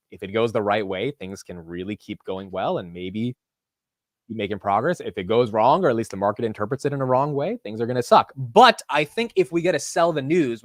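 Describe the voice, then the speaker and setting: A young man with a deep voice hosting a live market stream in casual, animated chat. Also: dry recording, studio quality. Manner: animated, says "dude" and "like" a lot.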